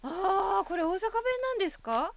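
A woman's voice: extremely high pitch, lively intonation, moderate pace, vocal fry. A woman co-hosting a casual radio chat, answering with short backchannel replies and laughter. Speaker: radio co-host.

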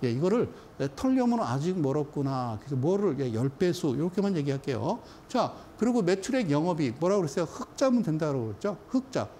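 A man's voice: a little high, sing-song, a little fast, few pauses, dark tone, a little hiss or hum. A middle-aged man giving a stock chart lecture, emphatic, often checking in with his viewers. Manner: emphatic, keeps checking in with the audience. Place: studio.

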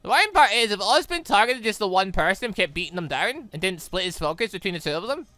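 Lively let's-player thinking aloud. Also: medium pitch, fast talker, no echo. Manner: rambling, thinking aloud while playing. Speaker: gaming video host. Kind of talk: excitable let's play commentary and dialogue read-aloud. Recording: dry close voice over game music. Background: game music.

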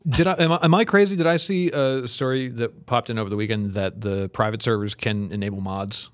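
Podcast guy, dry self-deprecating jokes, mid-pitched regular voice. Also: a little fast, clean tone. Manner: wry, self-mocking humor. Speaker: podcast host. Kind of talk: casual gaming chat.

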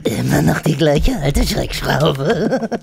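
A woman's voice: deep voice, animated, slow pace, gravelly, background noise, exaggerated voice. A woman playing a sadistic mad surgeon in disguise, taunting and gloating in a horror radio play. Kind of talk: German horror audio drama acting.

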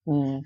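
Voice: mellow, highs cut off. A university lecturer from Bali gives an online language lecture over a video call. They ask the class questions and correct themselves as they go. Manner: unhurried, asks the class questions, self-correcting.

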